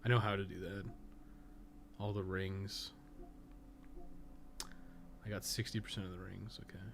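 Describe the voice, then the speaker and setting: A man's voice: low-pitched, level tone, measured pace, gravelly, background noise. A man hosting a casual game livestream, talking half to himself in an offhand, self-deprecating, muttering way. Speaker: livestream host playing a video game.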